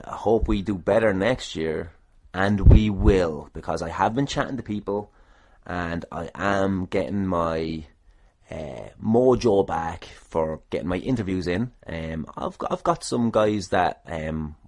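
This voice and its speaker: An Irish man hosts a solo podcast, rambling casually with a dry, self-deprecating humor. His voice sits low and is a little mellow, moving at a measured pace.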